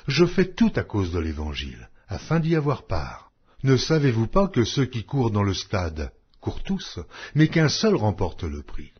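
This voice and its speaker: A man reading scripture as a solemn scripted narration, measured and declamatory, with emphatic phrasing. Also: medium pitch, breathy edge, muffled recording. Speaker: narrator of an audio Bible.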